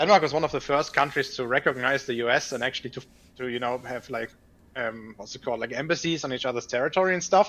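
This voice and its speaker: Speech comes at a very fast pace. It carries a German accent. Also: man. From Germany. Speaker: chemist, political commentator. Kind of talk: casual debate discussion.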